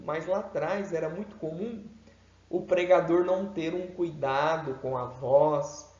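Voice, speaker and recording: Brazilian male seminary teacher, deliberate and emphatic, leaning hard on pitch swings; unhurried delivery in an echoey room. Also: darkish tone. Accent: Brazilian Portuguese. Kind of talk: homiletics lecture. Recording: echoey room, dull lo-fi sound.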